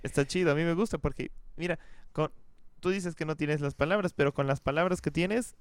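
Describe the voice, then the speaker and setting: A man with a Mexican accent hosting a casual podcast and teaching Spanish, chatting in a relaxed way with frequent tag questions. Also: on the high side, brisk, clear, resonant tone, dry recording.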